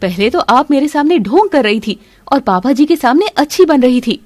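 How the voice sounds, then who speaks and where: A woman voicing a patient young daughter-in-law in an animated story, talking in a polite, earnest way. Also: high-pitched, moderate pace, dry recording. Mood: upset.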